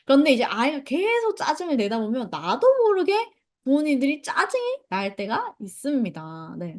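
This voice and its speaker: Lively, high-voiced woman teaching parents. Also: moderate pace. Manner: reads participants' chat comments aloud. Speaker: parenting instructor. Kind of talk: online parent education lecture.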